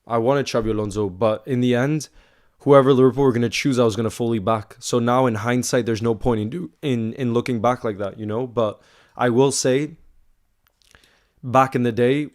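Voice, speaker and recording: A young man hosting a live fan stream, chatting casually and excitedly with viewers, calling them bro and filling with you know. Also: mid-range voice, brisk. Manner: hyped, calls viewers bro, many you-knows. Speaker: livestream host reading fan chat. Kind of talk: casual watchalong chat.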